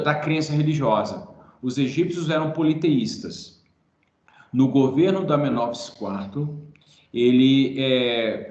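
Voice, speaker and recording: A man's voice: mid-range voice, a little mellow, reverberant, dull audio. A male history teacher giving an online class, explaining patiently with playful asides to his students.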